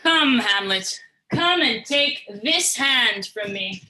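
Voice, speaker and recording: A woman's voice: fairly high pitch, lively intonation, takes it slowly, bright, forceful tone, heavily acted, low-quality recording. A woman playing a commanding, ceremonious, scheming king in a dramatic reading of Shakespearean verse. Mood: courtly.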